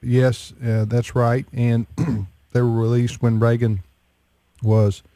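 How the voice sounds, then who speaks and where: Mellow-voiced male radio host. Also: medium pitch, level tone, slow pace, no room sound. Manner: conversational, restarting often. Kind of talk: radio interview.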